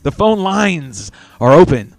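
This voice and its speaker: Casting note: man in his 40s, show host, higher-pitched voice, dry close sound, animated and profane. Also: slow, gravelly, dry recording, rough recording. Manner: animated, swearing, loose rambling. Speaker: podcast host. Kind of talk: casual chat.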